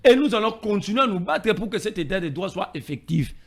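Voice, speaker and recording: Congolese-accented male street commentator, higher register, swinging intonation, argumentative. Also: animated, fairly quick. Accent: Congolese French. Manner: emphatic, code-switching, argumentative. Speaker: political commentator. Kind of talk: animated street political debate.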